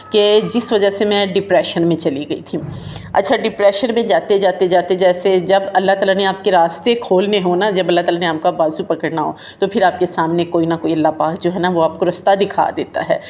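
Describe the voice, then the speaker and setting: A woman talking to her viewers in a casual, heartfelt way, warm and chatty, like a friend sharing advice. she keeps tossing in little fillers and speaks in an even, mid-range voice. she addresses everyone as her sisters and friends. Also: medium pitch. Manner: conversational, often adds the filler "jo hai na". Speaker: motivational talk host.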